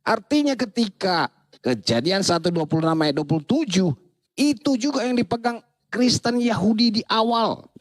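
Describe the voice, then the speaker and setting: A man's voice: high voice, animated, normal speed, dry recording. A man in a heated online religious debate, preaching and quoting scripture while talking over others.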